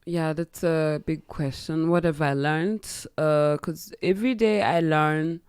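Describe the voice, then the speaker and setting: Low, smooth-voiced young Rwandan woman. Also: fairly even intonation, unhurried, a little mellow, dry recording, clean studio sound. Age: young adult. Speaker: musician guest. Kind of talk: radio interview, casual chat. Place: radio studio. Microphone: close studio boom mic.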